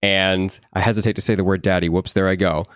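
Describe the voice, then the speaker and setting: A man in his twenties, a voice actor, chatting in an interview, animated and repeating words as he acts out quotes. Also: low voice, fast talker, clean tone, dry recording, studio quality. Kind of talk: casual interview chat.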